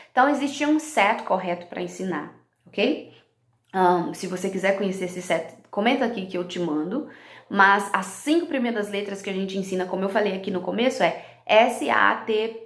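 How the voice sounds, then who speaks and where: Woman teacher, gravelly voice, roomy sound, explains step by step for fellow teachers. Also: medium pitch. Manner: explanatory, checks in with "ok?" and "tá?", slips into English words. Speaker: English teacher.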